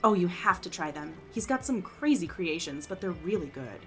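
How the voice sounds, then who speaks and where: A woman's voice: lowish voice, sing-song, moderate pace, a bit bright, faint music behind. A woman playing a brash, friendly young townswoman in an audio drama, slangy and full of playful ribbing. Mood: friendly, eager.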